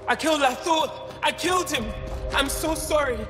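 An actor playing a guilt-stricken young alien in a video game, anguished and pleading. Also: male voice, very high-pitched, moderate pace. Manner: anguished, emotional. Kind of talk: video game cutscene acting. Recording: long reverb, loud game music.

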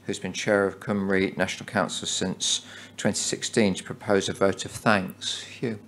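A man's voice: deep voice, flat delivery, moderate pace, a bit bright, slight background noise. A man chairing a charity's annual meeting, speaking formally with many hesitant fillers. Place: meeting hall.

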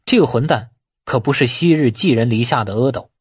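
A man reading a novel as a dramatic audiobook narrator, with expressive storytelling. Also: medium pitch, fairly quick, breathy edge, no echo, clean studio sound. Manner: expressive storytelling, acting out dialogue.

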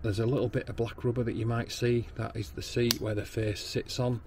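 Standing at a workshop bench, a Northern English plumber and backflow tester runs through a practical plumbing training demonstration, often umming and restarting as he goes step by step. He speaks at medium pitch with little pitch movement and a slightly fast pace, and background noise is present.

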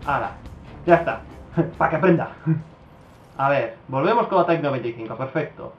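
Excitable swearing gamer man. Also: mid-range voice, moderate pace, reverberant, highs cut off, soft background music. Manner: swears often, bursts into excited outbursts. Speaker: gameplay commentator. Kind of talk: casual gameplay commentary.

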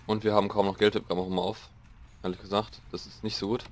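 A young man with a slightly hoarse voice, rambling casually through gameplay commentary and mocking himself as he goes. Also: fairly low pitch, level tone, fast. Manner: rambling, self-mocking, thinking aloud. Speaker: let's play host.

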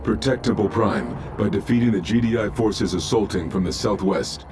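A man's voice: on the low side, normal speed, background noise, lightly acted. A man voicing a military battle announcer in a strategy game, giving clipped, matter-of-fact, official status reports. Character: calm male military battle computer announcer for a zealot army. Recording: loud game music behind.

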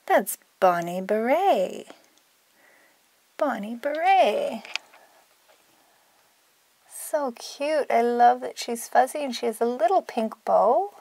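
A woman's voice: a little high, animated, takes it slowly, long pauses, darkish tone. A woman hosting a toy unboxing for children, narrating playfully in a gushing, exclamatory, sing-song way. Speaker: toy unboxing video host.

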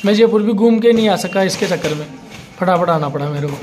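A man's voice: high-pitched, brisk, a little mellow, slight background noise. A young man vlogging casually at home, teasing his wife and talking to viewers. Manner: teasing, talkative, addresses viewers as guys. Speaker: vlogger, husband. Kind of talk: casual vlog talk to camera.

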